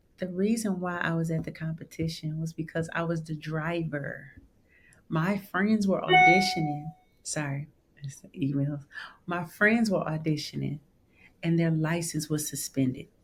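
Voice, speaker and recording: A woman with a fairly low pitch speaks in an animated tone at a moderate pace. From Michigan, Saginaw. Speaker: gospel singer. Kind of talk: casual interview storytelling.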